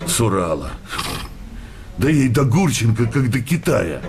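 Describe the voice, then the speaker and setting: An actor playing a naive, grumbling, hard-drinking working-class husband in a comic radio play, with coarse, colloquial delivery. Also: male voice, mid-range voice, big pitch swings, measured pace, background noise. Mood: grumbling, aggrieved.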